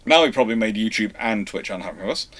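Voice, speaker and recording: A man hosts a live history stream, his voice bright and forward. He talks in an animated way, tossing in quick asides and dry jokes as he answers questions. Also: lowish voice. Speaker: naval history channel host. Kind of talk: live Q&A chat.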